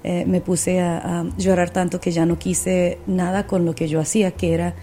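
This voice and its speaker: A woman's voice: lowish voice, level tone, moderate pace, dark tone, slight background noise. A woman, a singer-songwriter and speaker, sharing her faith testimony as a podcast guest in a fervent, preacher-like way with frequent fillers.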